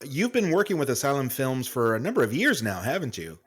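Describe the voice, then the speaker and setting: A man hosts a podcast interview, his voice sitting at an ordinary middle pitch. He asks questions in a calm, friendly, conversational way. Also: a little fast, slightly rough. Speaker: podcast host.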